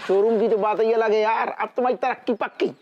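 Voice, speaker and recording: An actor playing a jovial small-town police inspector, drawling rustic banter. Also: male voice, high-pitched, steady tone, fast talker, darkish tone, highs cut off. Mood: jovial teasing.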